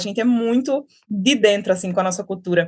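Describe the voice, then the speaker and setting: This woman's medium-pitched voice rushes along at a very fast pace. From Brazil, Pernambuco (Paulista, Recife metro area). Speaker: singer. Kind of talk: interview.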